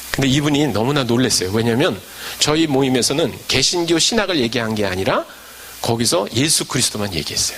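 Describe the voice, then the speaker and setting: Against noticeable background noise and audible room echo, a man speaks at a medium pitch and a fairly quick pace. His intonation is lively and his loudness very even. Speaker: missionary preacher. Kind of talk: sermon.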